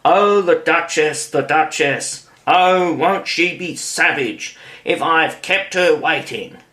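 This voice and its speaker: A man's voice: a little high, takes it slowly, bright, forceful tone, echoey room, pitched above the performer's own voice. A man voicing a flustered male white rabbit in a storybook, muttering anxiously.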